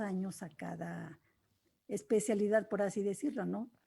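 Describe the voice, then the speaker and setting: In a Mexican accent, a woman speaks with a dark, mellow tone that is somewhat breathy. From Mexico. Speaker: voice actress. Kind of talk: interview. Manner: casual.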